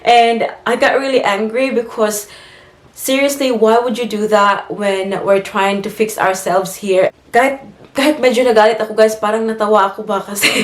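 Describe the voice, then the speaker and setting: Woman, Filipino accent, casual vlog chat, slightly congested, mid pitch, echoey room. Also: steady tone, moderate pace. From Philippines. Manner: chatty, mixes English into Tagalog, laughs while telling stories. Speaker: vlogger. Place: home, indoors.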